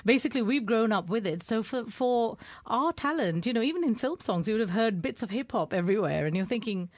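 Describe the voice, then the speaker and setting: A woman's voice: fairly high pitch, expressive, brisk, no room sound. A woman radio presenter speaking as a guest in a studio interview, explaining fluently and with enthusiasm. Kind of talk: conversational interview.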